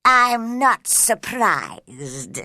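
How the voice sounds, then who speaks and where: A calm, teasing storybook cat that grins through every riddle, voiced by a woman reader. It drags each word out at a very slow, knowing pace, and its tone is bright and clear. The sound is dry and close. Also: a little high, no echo, heavily acted. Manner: slow, drawn-out, knowing delivery.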